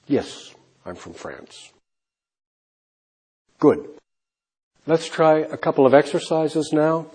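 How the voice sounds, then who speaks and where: A man teaching an English lesson, slowly modelling questions and answers for learners. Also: mid-range voice, poor audio. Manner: modelling example answers clearly, trailing off softly. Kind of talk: slow, deliberate classroom instruction.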